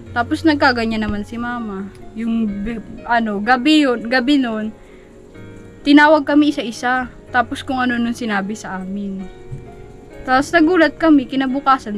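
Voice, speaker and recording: A 19-year-old woman answering interview questions politely, halting and searching for words. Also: a little high. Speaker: interviewee, working daughter.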